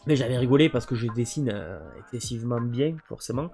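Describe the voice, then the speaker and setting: A man's voice: mid-range voice, brisk, a little mellow, faint music behind. A man casually presenting his video game collection, hesitant and full of fillers. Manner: hesitant, many fillers and restarts.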